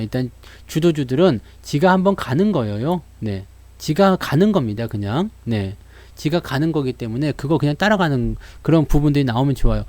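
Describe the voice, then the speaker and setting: A man with a somewhat high, slightly mellow voice gives a live stock market lesson, recorded with no room sound. Speaking straight to viewers with frequent fillers, he acts out investors' worries and then answers them.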